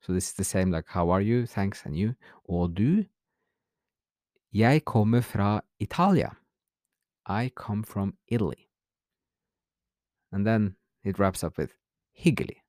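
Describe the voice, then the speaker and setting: A man hosting a podcast, giving a relaxed, unscripted language lesson, reading example phrases slowly and translating them. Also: fairly low pitch, no room sound, studio quality. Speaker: podcast host, language teacher. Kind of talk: casual spoken language lesson.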